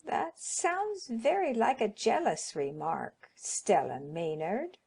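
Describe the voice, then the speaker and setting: A woman voicing a prim, reproving older aunt, speaking slowly with a creaky voice. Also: on the high side, expressive, dark tone, exaggerated voice.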